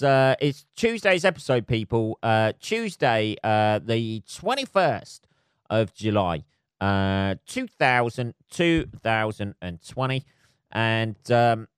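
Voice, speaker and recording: A congested man in his forties talks at a middling pitch in a smooth, full voice, thick and nasal from a cold. His delivery rambles and swears freely, full of self-mockery. The sound is close and dry, with no room around it. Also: no echo. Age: 40s. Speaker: podcast host. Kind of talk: casual solo rant. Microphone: phone camera.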